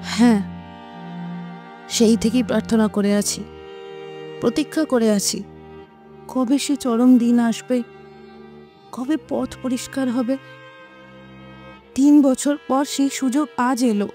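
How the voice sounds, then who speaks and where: A woman's voice: a little high, steady tone, slow, pauses often, warm tone. An actress playing an impatient, determined woman in an audio drama, pressing her lover in an insistent, dismissive way. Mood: intense longing. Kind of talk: Bengali audio drama dialogue. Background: dramatic music.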